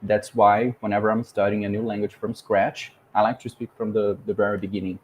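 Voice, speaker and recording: Brazilian host, Portuguese native, fluent and emphatic English, lower voice. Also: male voice, flat delivery, brisk, a little mellow, a little hiss or hum. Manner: fluent, emphatic, drives points home with rhetorical questions. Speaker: podcast host. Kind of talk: casual conversation about language learning.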